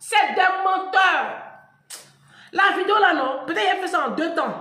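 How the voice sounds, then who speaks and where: With audible room echo, a woman uses a raised, projected voice at an extremely high pitch. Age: 40s. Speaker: vlogger. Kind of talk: vlog monologue. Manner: animated. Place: home room. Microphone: phone near.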